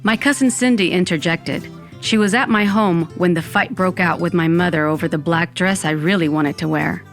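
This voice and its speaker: Woman acting a low-voiced wry Latina narrator. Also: normal speed, faint music behind, close to an everyday voice. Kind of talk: scripted first-person narration.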